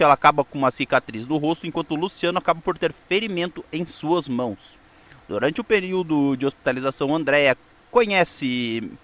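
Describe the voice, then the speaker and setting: The presenter of a weekly history channel, a man with a Brazilian accent, explains things in a semi-scripted narration with occasional stumbles. His voice sits on the high side and has a fairly bright tone.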